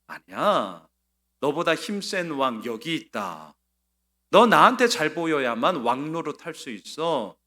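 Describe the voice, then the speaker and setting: A proud, sneering ancient king, as a preacher puts him on, scornful and taunting. His voice swings widely and rings bright and forceful, jumping to loud outbursts. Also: a little high, very animated, measured pace, heavily acted. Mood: mocking.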